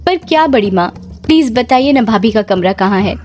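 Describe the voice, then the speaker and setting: A woman's voice: fairly high pitch, expressive, normal speed, a little mellow, faint music behind, natural voice. A woman voicing a polite, bashful young man in a spoken horror story.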